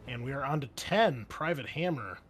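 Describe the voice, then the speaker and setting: A man's voice: medium pitch, lively intonation, normal speed, a bit bright. A man running a tabletop roleplaying game as game master, narrating and explaining rules in an encouraging, conversational way. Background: music under the voice.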